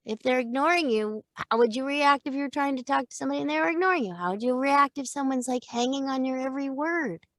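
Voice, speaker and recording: A middle-aged woman, a voice-over teacher, chatting in an interview in an animated way, laughing often and acting out example lines. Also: high voice, fast, few pauses, no room sound. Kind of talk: casual interview chat.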